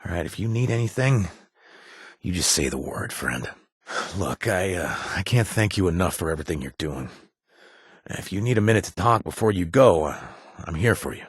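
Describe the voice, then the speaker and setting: An actor playing a gruff, washed-up ex-raider who now runs a bar, sardonic and joking one moment, earnest and grateful the next, in video game voice lines. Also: male voice, sits low, expressive, moderate pace, no echo, clean studio sound. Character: gruff washed-up male ex-raider bartender, wry. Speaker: game companion character.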